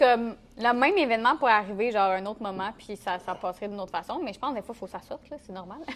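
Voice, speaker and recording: A woman talks at a very fast pace with hardly any pauses. Her loudness swings widely while her pitch varies in an ordinary way. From Quebec. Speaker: podcast host, entrepreneur; podcast host. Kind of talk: casual interview. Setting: her workshop studio. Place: home room. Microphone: lapel.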